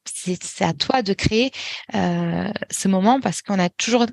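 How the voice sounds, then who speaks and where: Woman, Quran teacher, podcast guest; calm instructive advice, middle pitch, dry studio sound. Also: unhurried, creaky, dry recording. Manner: calm and instructive, many small restarts and fillers. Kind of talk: podcast interview, giving advice.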